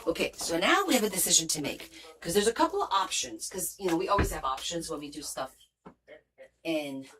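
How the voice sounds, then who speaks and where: Crafting on a livestream, this woman talks briskly in a lowish voice, reading viewer comments aloud and mixing lively rises with soft asides. Originally from Portugal, she grew up in New Jersey and carries a light accent from there. The recording is rough, with slight background noise.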